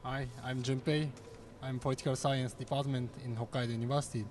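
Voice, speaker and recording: A young man, moderating a panel with measured questions. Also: medium pitch, level tone, a little mellow, slight background noise. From Japan.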